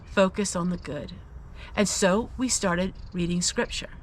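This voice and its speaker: A woman's voice: fairly low pitch, measured pace, slight background noise, poor audio. A woman sharing a personal Christian testimony, speaking in an earnest, confiding and emphatic way as she encourages listeners. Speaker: host of a faith-based personal vlog.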